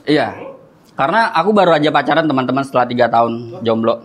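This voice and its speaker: A man's voice: mid-range voice, lively intonation, fast. A young man doing stand-up comedy, chatting and often turning to the crowd.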